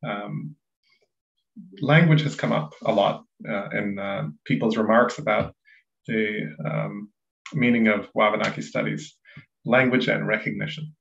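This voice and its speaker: A man from Ethiopia, a native Amharic speaker, moderates an online panel at a measured pace with plenty of fillers. His voice is gravelly. The sound is dull and echoey, as from a bare room. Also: lowish voice, steady tone, fairly bright tone.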